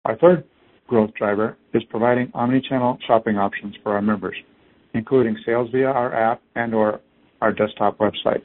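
A company executive reads a scripted business presentation on an earnings conference call, his low-leaning voice moving at normal speed with fairly even intonation. The phone-line audio is narrow and tinny.

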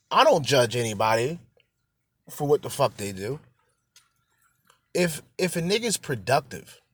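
A man's voice: medium pitch, slightly rough, dry recording, clean studio sound. A man hosting a casual, opinionated monologue, blunt and full of slang and swearing, repeating phrases for emphasis. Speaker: solo show host.

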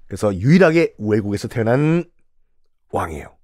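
A man's voice: lowish voice, moderate pace, no room sound, studio quality. A man telling history in a casual, playful podcast lesson, acting out quotes as he goes. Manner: playful, animated, acts out quotes.

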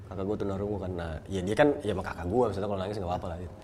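A man's voice: low-pitched, level tone, dark tone, a little hiss or hum. A young man, telling a personal story in slangy casual talk. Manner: slangy Jakarta street talk, quick and storytelling. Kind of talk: casual chat.

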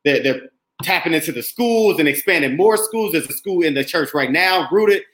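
A man's voice: on the high side, expressive, moderate pace, fairly bright tone. A man in his thirties from Indianapolis hosts a podcast interview in an enthusiastic, casual way, often calling people "man.". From Indianapolis, United States. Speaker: podcast host. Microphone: remote call mic. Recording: roomy echo.

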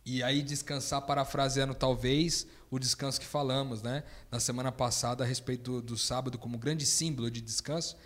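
A Brazilian man with a mid-range voice speaks thoughtfully in a casual faith discussion. He builds his points slowly and quotes song lyrics. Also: medium pitch, fairly even intonation, fairly bright tone. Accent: Brazilian Portuguese. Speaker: panelist.

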